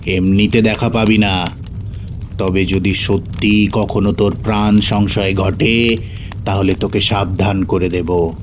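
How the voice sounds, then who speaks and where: Man acting a gruff low-voiced holy man. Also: little pitch movement, slow, a little hiss or hum. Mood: stern warning. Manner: curt, scolding, commanding. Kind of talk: audio storybook acting.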